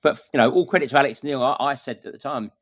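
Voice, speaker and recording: A man giving measured, conversational football analysis as a podcast guest. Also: mid-range voice, dry recording. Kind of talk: casual football chat.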